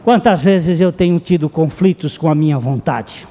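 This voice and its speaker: A man's voice: fairly high pitch, moderate pace, dark tone. A man preaching a sermon as a pastor, telling stories with passion and repeating phrases for emphasis. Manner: impassioned storytelling with repeated phrases. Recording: long hall reverb.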